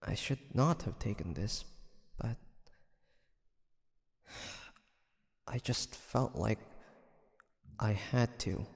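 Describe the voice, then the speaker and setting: A man playing a brooding, guarded demon hunter from the 1850s in an intimate audio roleplay, speaking in a hesitant, halting way. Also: lowish voice, animated, creaky, breathy edge, in a large hall, full character voice. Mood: troubled, confused. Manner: hesitant, halting, sighing soliloquy. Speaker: voice actor.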